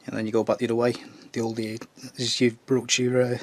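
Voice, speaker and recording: A Northern English man with a husky, strained voice, recovering from tonsillitis, chatting casually as he paints a scale model. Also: mid-range voice, little pitch movement, fast talker. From Northern England. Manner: chatty, jokey asides while working.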